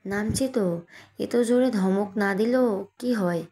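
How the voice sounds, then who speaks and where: A woman's voice: mid-range voice, measured pace, warm tone, close to an everyday voice. A woman voicing a playful, mischievous young wife who teases her husband. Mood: teasing. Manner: teasing, playful.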